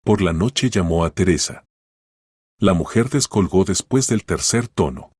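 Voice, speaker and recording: A man narrating a story in a steady, measured way. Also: low-pitched, breathy edge, no room sound, studio quality. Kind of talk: scripted narration.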